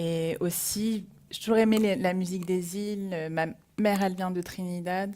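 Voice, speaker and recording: With an English accent, a woman talks at medium pitch and a moderate pace. Her tone is dark and mellow, her intonation fairly even. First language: English (speaking French). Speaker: pop singer. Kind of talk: interview. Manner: hesitant.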